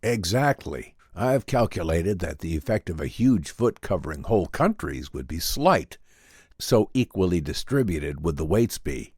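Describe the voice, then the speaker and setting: A man voicing an earnest, learned inventor professor in a dramatic radio-style reading, formal, deliberate and explanatory. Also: sits low, big pitch swings, a little mellow, husky, no echo, clean studio sound, full character voice. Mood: grave, cautious. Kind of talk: dramatic audiobook reading in old-time radio drama manner.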